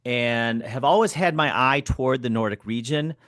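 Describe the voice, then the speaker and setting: A man's voice: medium pitch, moderate pace, a bit bright, no room sound, clean studio sound. A man from Wisconsin, a professor, speaking as an interview guest in an earnest, reflective way. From Wisconsin, United States.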